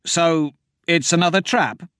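A man voicing a steady young male adventurer who talks in a level-headed, urgent way. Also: on the high side, measured pace, clean tone, no room sound, clean studio sound, voice pushed up.

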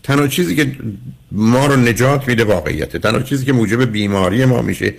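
A man's voice: mid-range voice, vocal fry. An older man hosting a radio call-in show as a psychologist, lecturing a caller emphatically and repeatedly calling him "dear".

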